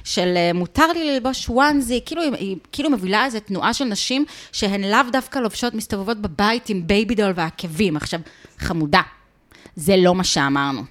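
An Israeli woman co-hosting a podcast in casual chat about a reality show, opinionated and teasing, often mimicking others. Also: mid-range voice. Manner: opinionated, teasing, mimics people she discusses. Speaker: podcast co-host.

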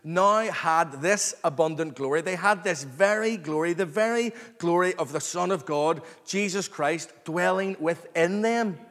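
A man preaching an expository sermon to a congregation, earnest, excited and emphatic, repeating phrases and calling for response. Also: fairly high pitch, a little slow, few pauses. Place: large reverberant room, live before a congregation. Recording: long hall reverb.

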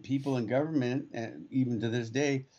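Rambling co-host on a dull remote line. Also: male voice, mid-range voice, fairly even intonation, brisk, dark tone. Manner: rambling, many restarts and fillers. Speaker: radio show co-host. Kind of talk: casual radio talk show chat. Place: remote studio in Kamloops.

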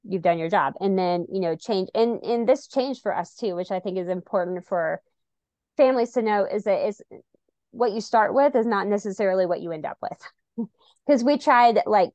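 A woman's voice: medium pitch, dry recording, lo-fi sound. A woman guest chatting casually about her family, with many "like" and "you know" fillers. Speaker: guest parent. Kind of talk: casual conversation.

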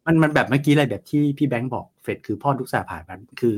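A man's voice: mid-range voice, fast talker, breathy edge. A man appearing as a guest market commentator on a casual live finance talk show, chatty and rambling, with many fillers.

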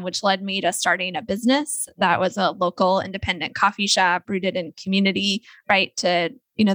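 A woman entrepreneur, a guest on the show, talking in an energetic, informal, motivational way. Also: medium pitch, no echo. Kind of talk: casual interview talk.

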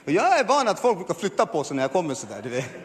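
A man giving an animated personal testimony, acting out quotes and moving between loud bursts and hushed passages. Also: fairly high pitch, long reverb tail. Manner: storytelling with acted quotes, swings from loud to hushed.

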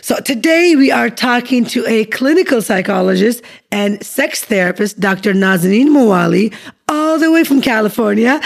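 A woman's voice: fairly high pitch, creaky. A woman who grew up in Iraq, co-hosting a podcast, chatty and open, laughing easily. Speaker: podcast co-host. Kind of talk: casual podcast interview.

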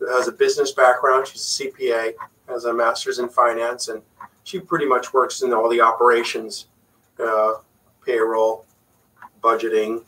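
A man's voice: mid-range voice, normal speed, recorded from a distance, a little hiss or hum, low-quality recording. A middle-aged man from Puerto Rico whose first language is Spanish, a facial plastic surgeon chatting casually as a guest. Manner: relaxed, chatty, frequent fillers. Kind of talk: casual interview chat.

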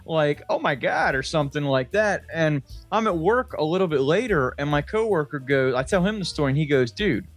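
A man with a slightly high voice chats casually as a comedy podcast co-host. He tells crude anecdotes in an animated, sweary manner. Faint music plays behind him. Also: a little fast, few pauses. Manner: profane, animated anecdote telling. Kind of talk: casual comic storytelling chat.

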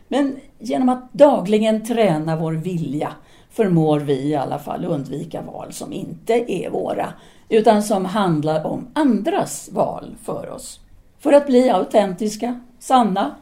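Woman acting a mellow, self-assured intellectual teacher. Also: medium pitch, natural voice. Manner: articulate, formal, lecturing. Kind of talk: audio drama dialogue acting.

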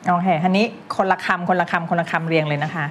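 A woman from Thailand teaching pronunciation, coaching students word by word in a lively, teasing, corrective way. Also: fairly low pitch, fast, slight background noise.

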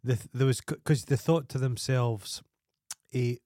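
A man's voice: mid-range voice, normal speed, warm tone, no echo, studio quality. A Scottish man co-hosting a podcast, telling rambling sweary stories in casual banter. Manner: rambling, sweary storytelling with wild sung outbursts. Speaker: podcast co-host.

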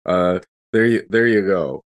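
A man playing a tabletop role-playing game, improvising narration and banter in a halting, jokey way. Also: low voice.

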